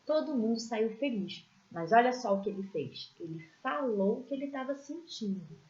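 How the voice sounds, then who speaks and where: A woman teaching a children's religious class, telling stories in a gentle, expressive way and pointing out pictures as she goes. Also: on the high side, normal speed. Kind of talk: storytelling lesson for children. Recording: echoey room, dull lo-fi sound.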